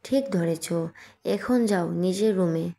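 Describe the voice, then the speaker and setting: A woman's voice: on the low side, measured pace, mellow, close to an everyday voice. A woman voicing a strict middle-aged mother who talks in a stern, commanding way, in an audio story reading.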